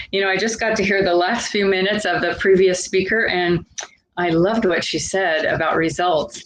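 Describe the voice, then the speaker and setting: Audible room echo surrounds a woman who talks at a moderate pace in a fairly low pitch. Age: 70s. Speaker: former kindergarten teacher, mayor, business owner. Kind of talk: motivational talk at online event. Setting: online livestream.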